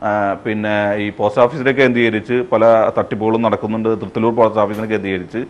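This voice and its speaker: On a recording missing its highs, a man with a lowish, level voice tells an interviewer, unscripted, how he was defrauded. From Thrissur district in Kerala, he hesitates, searches for words a lot, and mixes in English.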